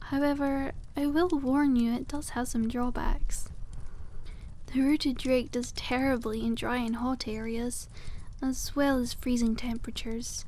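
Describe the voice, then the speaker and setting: A woman's voice: on the high side, flat delivery, measured pace, a little mellow, slight background noise, lightly acted. A woman voicing a cute, cheerful young witch shopkeeper in an ASMR roleplay, with sweet, whimsical, genteel storybook phrasing. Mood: enthusiastic, informative. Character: cute, cheerful young witch running a dragon egg shop.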